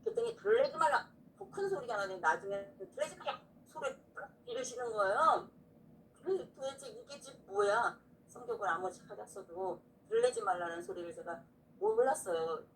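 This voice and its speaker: A woman's voice: a little high, very animated, fairly quick. A woman pastor telling an earnest, emotional personal testimony in a casual faith conversation. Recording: distant mic with faint background noise.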